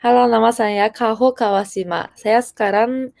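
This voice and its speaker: A woman's voice: a little high, steady tone, normal speed, gravelly, a little mellow. A native Japanese woman of twenty-four with a Japanese accent, a university student introducing herself. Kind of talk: self-introduction.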